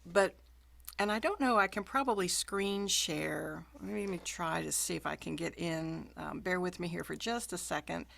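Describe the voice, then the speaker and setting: A woman's voice: lowish voice, moderate pace, vocal fry, a bit bright. A woman audiobook narrator hosting a casual video call chat, talking with plenty of ums and friendly encouragement.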